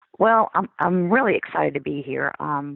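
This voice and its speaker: This woman's voice, very deep and low, unfolds at a moderate speed. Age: 50s. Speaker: semi-retired hospice nurse and caregiver. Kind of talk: podcast interview.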